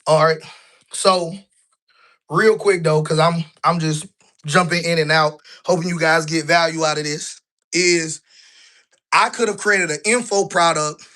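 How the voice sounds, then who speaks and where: A man's voice: a little high, unhurried, pauses often. A man in his thirties talking casually while walking through his office building, asking "right?" a lot, a bit out of breath. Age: 30s. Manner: conversational, asks rhetorical "right?" often; colloquial, relaxed grammar. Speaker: business vlogger.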